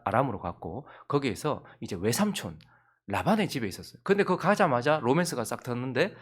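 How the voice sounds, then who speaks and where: Animated male pastor. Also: mid-range voice. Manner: animated, swings from loud emphasis to hushed asides. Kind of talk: early-morning sermon.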